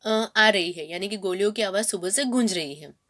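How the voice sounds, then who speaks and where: A woman's voice: mid-range voice, moderate pace, fairly bright tone, natural voice. A stern, commanding army colonel, read out by a woman teacher. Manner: questioning in a gruff, imperious tone.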